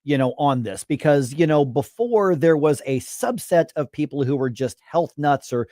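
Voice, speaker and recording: A man in his fifties hosting a casual radio talk show interview, chatty and halting, often restarting his sentences. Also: a little high, dark tone, no echo, clean studio sound. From United States. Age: 50s. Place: radio studio. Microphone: studio microphone.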